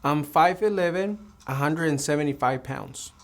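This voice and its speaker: Brief: man, somewhat high voice, applicant giving brief answers, slight hesitations. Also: moderate pace. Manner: short, plain answers with small hesitations. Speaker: mock citizenship applicant. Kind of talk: scripted mock interview.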